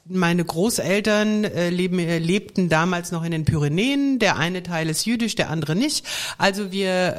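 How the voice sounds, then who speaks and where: A middle-aged woman speaks Mainz German with a faint Austrian tinge, her first language French. She rambles in a chatty, unhurried way, full of fillers and restarts, at an ordinary pitch. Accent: Mainz German with a light Austrian tinge. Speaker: guest. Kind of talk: casual chat in a wine bar.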